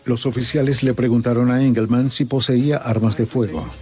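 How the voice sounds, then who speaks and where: A man narrating a true-crime documentary in a measured, even storytelling manner. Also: mid-range voice, faint music behind.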